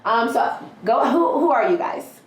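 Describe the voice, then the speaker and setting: A woman's voice: on the high side, animated, measured pace, crowd noise. A woman interviewing a couple in a bubbly, playful way, laughing often. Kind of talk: casual interview chat. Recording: echoey room with clear background noise.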